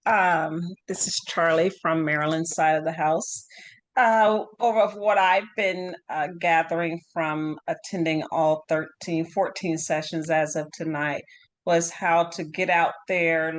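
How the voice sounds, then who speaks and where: A woman sharing in an online class, halting and searching for words. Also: low-pitched, fairly even intonation. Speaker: class participant. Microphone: video call.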